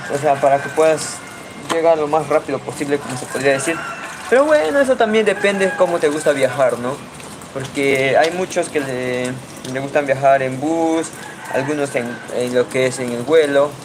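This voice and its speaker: A man with a Peruvian Amazon accent speaks at a moderate pace in a fairly high pitch, with ordinary pitch variation and noticeable background noise. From Peru, central jungle (Asháninka). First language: Asháninka (speaking Spanish). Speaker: content creator, livestreamer. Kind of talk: casual livestream chat.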